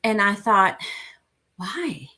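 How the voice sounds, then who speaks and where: A woman's voice: mid-range voice, animated, very slow, pushed and bright. A woman from Mexico, a parent of an autistic son, talking earnestly as a guest in a casual interview and repeating her key points for emphasis.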